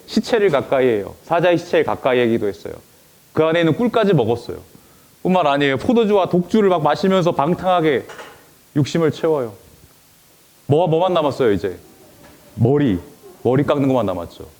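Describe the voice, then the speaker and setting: Man pastor, kids' sermon, very lively storytelling, slightly high voice. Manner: animated storytelling, addresses children. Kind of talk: children's sermon.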